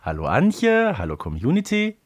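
A man's voice: a little high, wildly swooping pitch, normal speed. Jokey man podcast co-host. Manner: jokey, hesitant with many ähms. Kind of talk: casual podcast chat.

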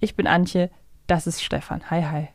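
A woman's voice: lowish voice, fairly even intonation, normal speed, no echo. Dry-sounding woman hosting a podcast. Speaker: podcast host. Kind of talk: conversational podcast talk.

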